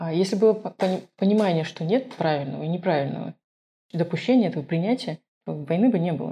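Very fast speech from a woman with a fairly low pitch, a dark, mellow, somewhat breathy tone and lively intonation, broken by long, frequent pauses. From Russia. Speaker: physicist and activist community founder. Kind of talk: casual interview.

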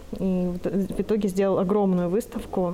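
Her pitch is medium for a woman. She speaks in a monotone with flat intonation. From Kazakhstan, Astana. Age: 20s. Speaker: underwater photographer and whale guide. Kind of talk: casual interview.

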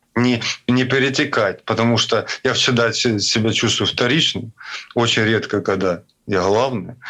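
Bright and sharp in tone, a man talks at a fairly slow pace in a medium pitch, with fairly even intonation and very even loudness. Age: 30s. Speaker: person with lived experience of mental illness. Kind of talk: personal testimony interview. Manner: halting.

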